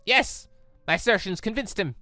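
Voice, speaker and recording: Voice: mid-range voice, lively intonation, normal speed, sharp tone, no echo, soft background music, voice pushed up. A game player voicing an earnest young android girl who speaks in a polite, formal, eager way. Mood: excited.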